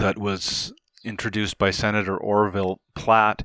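At a fairly slow pace, a man delivers his words in a bright, sharp tone at a fairly low pitch with monotone, flat intonation. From Peru. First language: bilingual Spanish and English. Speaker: history professor. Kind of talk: radio interview. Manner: halting, frequent repetitions.

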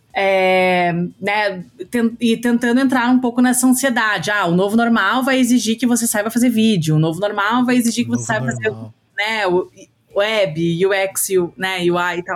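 A woman's normal speaking voice, medium in pitch, with lively intonation at a moderate pace. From Brazil. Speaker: graphic designer. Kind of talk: casual chat.

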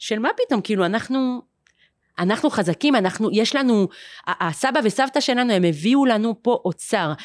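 A woman speaks at a moderate pace with a fairly high pitch, lively intonation and very even loudness. The sound is dry and close with no echo, in a very clean recording with a silent background. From France, Paris. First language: French (speaking Hebrew). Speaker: columnist and social activist. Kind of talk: interview.

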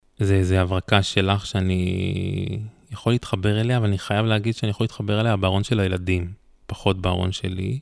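The man's pitch is fairly low, and his intonation is monotone and flat. He keeps a fairly quick pace with very even loudness. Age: 30s. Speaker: family counselor and parenting coach, podcast co-host. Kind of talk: casual chat. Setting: home at night.

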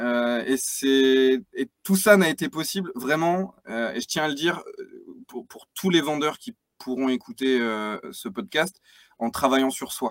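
A man speaks at a very slow pace, with long, frequent pauses and ordinary pitch variation. His loudness swings widely, and the sound is dry and close with no echo. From northern France, Aisne. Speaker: head of sales. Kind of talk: interview. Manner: halting, many repetitions.

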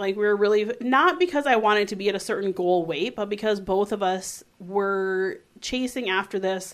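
Recorded very cleanly against a silent background, a woman with a plain, everyday voice speaks at a moderate pace and medium pitch, with ordinary pitch variation. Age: 40s. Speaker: podcast co-host, marketing lecturer, entrepreneur. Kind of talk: casual chat. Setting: live stream.

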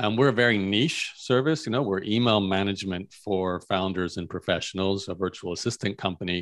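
A man with a Canadian accent and a fairly low pitch talks at a fairly quick pace with hardly any pauses. His tone is calm and enthusiastic, with ordinary pitch variation. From Australia. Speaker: entrepreneur and podcaster. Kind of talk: casual interview chat. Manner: calm yet enthusiastic.

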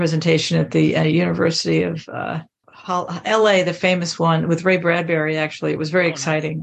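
Speaking at a moderate pace with an American accent, a woman delivers her words in a flat monotone at a very deep, low pitch. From US Midwest. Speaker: actress and writer. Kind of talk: interview.

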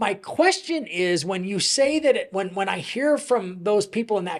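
Recorded very cleanly against a silent background, a man speaks at a high pitch with lively intonation. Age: 60s. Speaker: podcast host and mortgage professional. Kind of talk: casual monologue.

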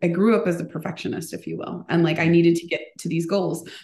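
A woman's fairly low voice with vocal fry, at a moderate pace. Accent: American. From Texas, US (Nicaraguan family). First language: Spanish. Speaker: marketing executive. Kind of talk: podcast interview. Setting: remote call. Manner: casual, filler-heavy.

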